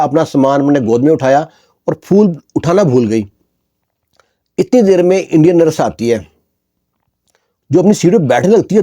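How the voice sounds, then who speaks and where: A man's voice: on the high side, dark tone. A man telling a story in a casual, colloquial way, repeating himself and leaning on fillers.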